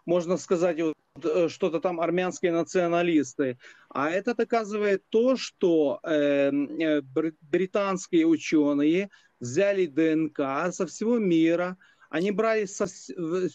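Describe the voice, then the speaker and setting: A man's voice: a little high, a little slow, a little mellow, no room sound. A man arguing as a guest on a live video call, stammering and repeating his words. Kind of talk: argumentative live debate. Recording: dull muffled internet call audio.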